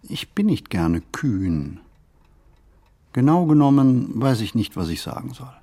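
In a radio play monologue, an actor plays a pensive, hesitant man strolling the city and musing on everyday life. He speaks deliberately and haltingly, with a husky, mellow, mid-range voice that swings widely in pitch.

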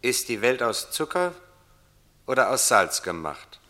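An actor playing a wry, animated storyteller, narrating a radio drama in a theatrical way. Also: male voice, medium pitch, unhurried. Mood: wry, dramatic.

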